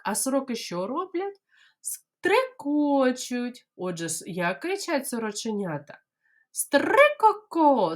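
In this speech lesson for small children, a Ukrainian kindergarten teacher with a mid-range voice carefully models words one syllable at a time, slowly and exaggerated, to help them speak clearly. She also plays at imitating birdsong.

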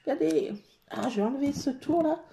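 A woman's voice: high-pitched, expressive, brisk, creaky, dark tone, roomy sound, slight background noise. A woman chatting casually while doing a craft project, cooing and baby-talking to her cats and playfully scolding herself. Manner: playful, bickers with herself in a mock-annoyed voice. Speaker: crafting vlogger. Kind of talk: casual chat while making a collage.

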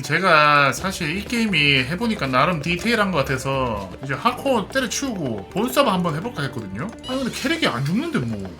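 A man's voice: fairly high pitch, sharp tone. A man in his thirties casually commentating a martial-arts online game as he plays, chatty and talking to himself. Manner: chatty, muttering to himself, bursts into mock-archaic martial-arts role-play. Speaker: game streamer.

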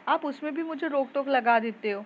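A woman voicing an angry teenage schoolgirl who shouts back at her mother in a raised, heated voice in a told story. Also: sits high, a little fast, highs cut off, a little hiss or hum, pitched above the performer's own voice. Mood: angry, defiant.

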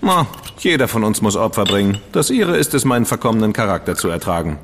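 A smug ironic dandy, low voice bouncing all over, radio play with a long reverb tail. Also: male voice, big pitch swings, fast talker, soft background music. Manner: flippant, ironic, self-satisfied. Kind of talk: German radio drama acting.

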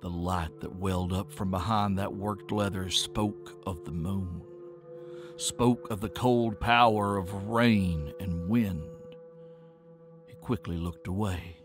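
A man narrating a scripted story in a measured, folksy way. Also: low-pitched, fairly even intonation, music in the background.

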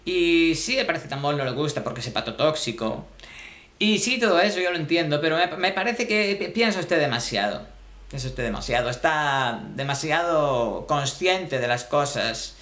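A man's voice: on the high side, sing-song, normal speed, fairly bright tone. A man doing a smug pill-pushing psychiatrist. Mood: condescending. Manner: condescending, rambling reassurance. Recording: roomy echo.

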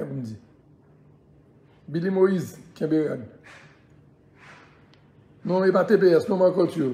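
A man's voice: a little high, vocal fry, dark tone, echoey room. A man from Haiti with a Haitian accent, chatting loosely on a live stream and repeatedly urging viewers to share it. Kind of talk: casual live-stream chat.

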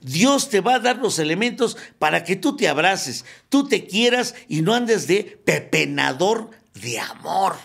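A man giving a spiritual recovery talk, telling it as a lively story and repeating phrases for emphasis. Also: high-pitched, a little slow, creaky, hardly any pauses. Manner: lively storyteller who acts out the quotes he tells. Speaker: speaker at a recovery group meeting.

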